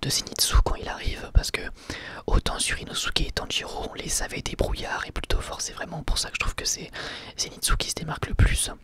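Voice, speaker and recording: Whispering man reviewing anime. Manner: hesitant, full of fillers and casual slang; soft and unhurried.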